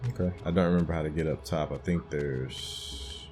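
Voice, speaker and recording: Low-voiced man musing through a game. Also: steady tone, moderate pace, darkish tone, faint music behind. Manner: thinking aloud, musing and hesitant. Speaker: gaming channel host. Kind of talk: casual video game playthrough commentary.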